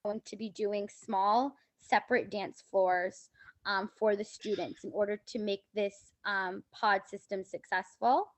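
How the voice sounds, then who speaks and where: A woman's voice: mid-range voice, steady tone, measured pace, dry recording. A woman giving a polite presentation at a public meeting over a video call, her voice cutting in and out on a bad connection, with frequent "um" fillers.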